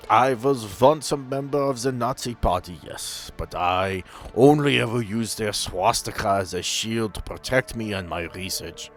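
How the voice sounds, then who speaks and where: A man's voice: on the low side, normal speed, hardly any pauses, faint music behind, close to an everyday voice. A man voicing an unrepentant, courteous old German scientist in a tabletop game, with formal, rambling speech. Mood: proud, bitter. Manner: formal, rambling, tagging questions with "yes?" and "right?".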